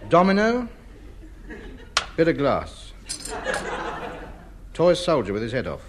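A man's voice: on the high side, huge pitch swings, slow pace, exaggerated voice. An actor in a 1950s radio comedy playing a fussy, pompous man who hoards junk. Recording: old radio recording, noisy.

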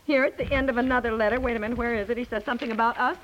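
A woman's voice: on the high side, fairly even intonation, very fast, a bit bright, a little hiss or hum, close to an everyday voice. An actress playing a chatty, fussy American wife and mother, rambling and flustered as she placates, in 1950s radio comedy style. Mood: placating. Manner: rambling, flustered, self-correcting. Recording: muffled 1950s radio broadcast recording.

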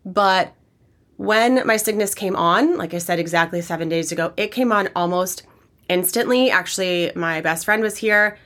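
Raspy-voiced woman, sick and hoarse. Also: fairly low pitch, normal speed, a bit bright. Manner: candid, rambling, frequent fillers. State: hoarse from illness. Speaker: podcast host and personal trainer. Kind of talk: casual solo podcast talk.

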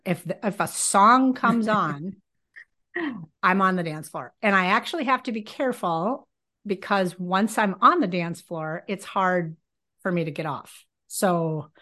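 Slow-talking Minnesotan woman in her fifties. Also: mid-range voice. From Minnesota, USA. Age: 50s. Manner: warm, chatty, laughs often, restarts phrases. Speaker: podcast guest. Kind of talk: casual interview conversation.

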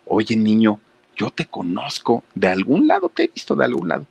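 A man's voice: lowish voice, big pitch swings, normal speed, dry recording. A man playing a curious, friendly middle-aged man who questions a boy. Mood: inquisitive. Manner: inquisitive, friendly.

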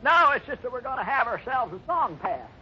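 Casting: boastful comic cowhand, very high, animated voice, folksy, old radio serial with dulled sound. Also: male voice, fairly quick. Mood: eager, boastful. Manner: folksy, exclamatory, chuckling at himself. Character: excitable, boastful comic cowboy ranch hand. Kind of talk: 1950s radio drama acting. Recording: dull, faintly noisy 1950s radio recording.

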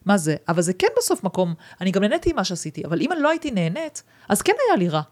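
A woman hosting a casual podcast interview, talking emphatically and expressively, with her pitch jumping when she makes a point. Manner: emphatic, expressive, pushes opinions with big pitch jumps. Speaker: podcast host.

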